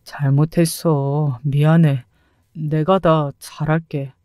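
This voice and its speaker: A woman voicing a petty middle-aged ex-husband who pleads and then snaps, lowering her voice for him. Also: measured pace, a little mellow, clean tone, no echo, clean studio sound. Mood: pleading.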